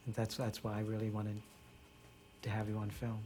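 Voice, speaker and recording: A man's voice: lowish voice, completely flat delivery, moderate pace, mellow, slight background noise. A man leading a group discussion, speaking earnestly and measuredly, often restarting his sentences. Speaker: group facilitator.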